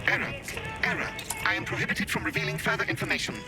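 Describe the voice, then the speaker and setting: A man's voice: quick pace, over music. An actor voicing an anxious male robot whose speech glitches, stutters and breaks into error messages. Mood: glitching.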